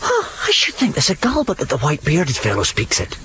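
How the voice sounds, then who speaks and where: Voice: mid-range voice, wildly swooping pitch, fairly quick, fairly bright tone, a little hiss or hum. A reader voicing an astonished eavesdropping bachelor in exclaimed asides.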